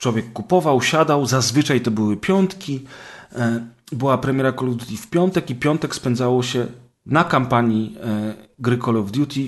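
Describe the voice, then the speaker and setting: A man speaks in a normal speaking voice at a moderate pace. His pitch is medium, with ordinary variation. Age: 30s. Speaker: podcast guest, gamer. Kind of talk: casual chat.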